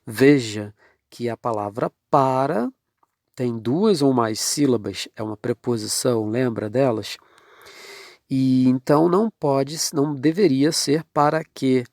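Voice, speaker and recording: Slow, deliberate male grammar teacher. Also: medium pitch, a little mellow, no echo, clean studio sound. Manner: slow, deliberate, repeats key terms. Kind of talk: recorded grammar lesson.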